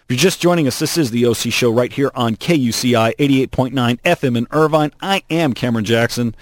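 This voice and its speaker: A man hosting a talk radio show, telling stories and giving opinions in an animated, opinionated way. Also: medium pitch, a little fast, no echo. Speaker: radio host. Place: college radio studio.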